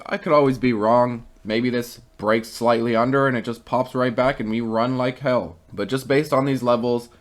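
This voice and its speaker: A man who is losing his voice talks casually through stock charts and market news for his viewers, reading out a company statement and then giving his own opinions. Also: mid-range voice. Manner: conversational, reads quotes then gives opinions.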